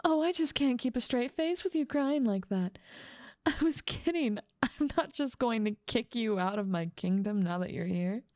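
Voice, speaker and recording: A woman's voice: on the high side, expressive, measured pace, long pauses, a little mellow, no echo, clean studio sound. A woman playing a haughty, dominant demon lord who mocks and teases the listener in a scripted ASMR roleplay. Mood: teasing, amused. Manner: dominant, amused, mocking, theatrical. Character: haughty, teasing female demon lord ruling part of hell.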